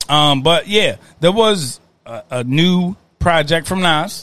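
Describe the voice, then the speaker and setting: A man with a bright, sharp tone uses lively intonation, broken by long, frequent pauses. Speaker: podcast co-host. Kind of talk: casual chat; scripted announcement.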